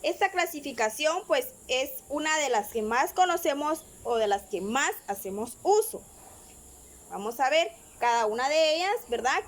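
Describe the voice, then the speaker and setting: A woman's voice: high voice, fairly bright tone, a little hiss or hum. A woman teaching a grammar lesson, explaining patiently step by step and often checking in with her listeners. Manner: frequent filler pauses.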